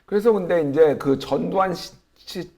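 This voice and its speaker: A man's voice: high voice, normal speed, creaky, a little mellow. A man hosting a talk show in a casual, joking way, chatty and teasing. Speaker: host of a current affairs show.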